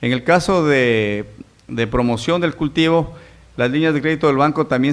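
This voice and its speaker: Male speech at a moderate tempo, pitch varying in an ordinary way. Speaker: agricultural association engineer speaking at seminar. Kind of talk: Q&A session after talk. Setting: seminar with audience.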